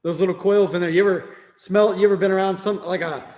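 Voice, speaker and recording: A man's voice: sits high, steady tone, fast talker, a little mellow. A man leading a sales training session, quizzing his listeners and tagging points with "right?". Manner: quizzing the room with frequent "right?".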